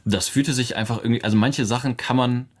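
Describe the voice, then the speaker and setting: A man's voice: mid-range voice, steady tone, fast. A young man in his twenties, a musician guest, answering interview questions in a casual, chatty way with frequent laughs. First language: English. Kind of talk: relaxed radio interview answers.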